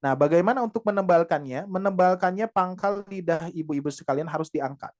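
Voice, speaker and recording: Man, recitation teacher, patient, spells out sounds slowly, lesson to women. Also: high voice. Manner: patient, models sounds slowly and repeats them.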